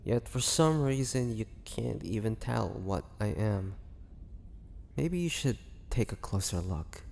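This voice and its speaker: A man playing a weary, brooding ancient vampire in a dramatic audio roleplay, speaking haltingly with a low, gravelly voice. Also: animated, darkish tone, exaggerated voice. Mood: weary, taunting. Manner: slow, halting, brooding delivery with pauses. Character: weary, imprisoned ancient male vampire, groggy and menacing. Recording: long cavernous reverb, background noise.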